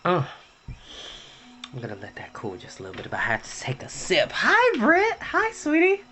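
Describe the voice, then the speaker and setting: Sassy, campy drag-queen man with swooping pitch. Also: very animated, fairly quick. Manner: sassy, campy drag-queen flair, calls viewers sweetie and girl. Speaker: host of a live story time stream. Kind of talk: casual livestream chat. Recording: music playing behind the voice. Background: soft ambient background music.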